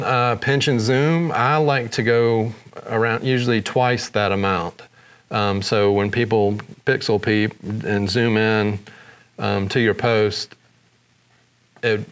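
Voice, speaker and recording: A man hosting a photography software tutorial, explaining each step in a relaxed way with frequent fillers. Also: on the low side. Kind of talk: screen-recorded software tutorial.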